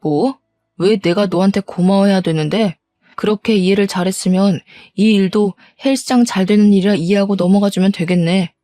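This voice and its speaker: Woman doing a cheating husband, scornful and snappy, mellow dry voice. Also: medium pitch, moderate pace, no echo, natural voice. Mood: defensive scorn. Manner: dismissive, scolding. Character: cheating middle-aged husband, defensive and blaming.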